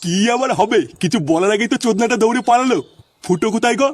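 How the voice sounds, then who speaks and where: A man's voice: very high voice, fast talker. A man voicing a foul-mouthed, hot-tempered husband in a comedy cartoon, complaining crudely. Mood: grumbling, irate.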